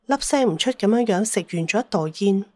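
A woman's voice: mid-range voice, lively intonation, a little fast, dark tone, no room sound. A woman narrating a scripted dramatic story as an audiobook narrator.

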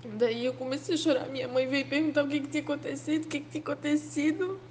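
A woman with a southern Brazilian accent rambles through a voice message, tearful but happy. Her voice sits fairly high. A faint hiss runs under the recording. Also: fairly even intonation, fast talker, darkish tone. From Santa Catarina, Brazil. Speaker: client sending a voice message. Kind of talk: WhatsApp voice message.

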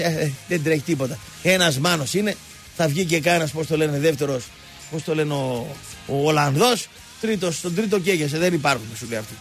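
A man hosting a radio sports show, mocking and digressive as he rambles about football. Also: on the high side. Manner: animated, mocking, digressive storyteller. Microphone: radio studio microphone.

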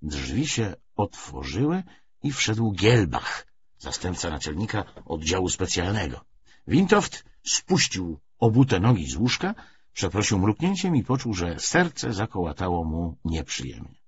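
A man's voice: sits low, sing-song, unhurried, breathy edge. A man reading a novel aloud as an audiobook narrator, in scripted literary narration. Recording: dull lo-fi recording.

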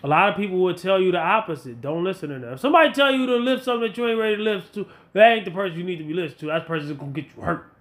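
A fitness vlogger in his late thirties talks casually to viewers in a high, fairly bright voice, very fast. His motivational talk is blunt, emphatic and colloquial, and he often repeats himself to make a point.

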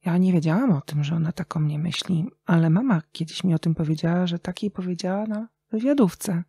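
A middle-aged woman talking casually and reflectively as a podcast guest, telling stories expressively with thoughtful pauses. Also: on the low side, mellow, slightly rough, no room sound. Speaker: interview guest, radio journalist and writer.

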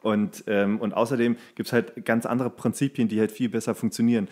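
Low-voiced young man, casual. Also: fairly even intonation, brisk, a little mellow. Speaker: podcast co-host. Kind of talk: casual podcast chat.

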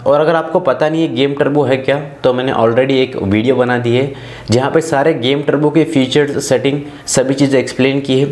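A man's voice: mid-range voice, a little mellow. A man with an Indian accent presenting a scripted phone tutorial. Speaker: tech video presenter. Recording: roomy echoing voice-over.

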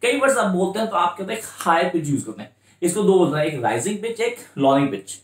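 A man's voice: sits high, big pitch swings. A man tutoring students for an exam, switching between Hindi and English with an Indian accent and repeating his points step by step. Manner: repetitive, coaching, slows right down for English phrases. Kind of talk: exam-prep lecture in mixed Hindi and English. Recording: echoey room.

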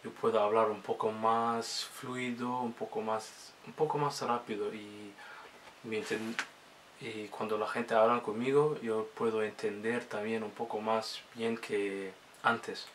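A man's voice: lowish voice, little pitch movement, fairly bright tone, slight background noise. A man speaking as a hesitant language learner in a casual vlog, often restarting his words. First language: Somali. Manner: halting learner's speech with many restarts. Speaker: vlogger.

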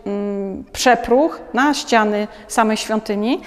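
A museum curator in her forties gives an unscripted talk about artworks in a large indoor gallery, speaking slowly at medium pitch with frequent hesitations and restarts. A lapel mic records her, and the space sounds like a large hall.

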